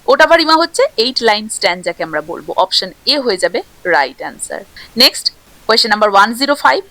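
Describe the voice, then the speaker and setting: A woman teacher with a Bengali accent going through exam questions. She reads each question slowly in English and then explains the answer quickly in Bengali. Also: fairly high pitch, sharp tone, dry recording, rough recording.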